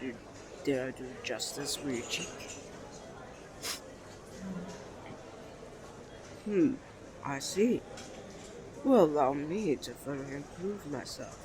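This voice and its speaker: A man's voice: on the high side, expressive, unhurried. Guy acting as a cocky flirty twin brother, asmr roleplay, voice swings around a lot, city noise behind. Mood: flirtatious. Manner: suave, taunting, theatrical.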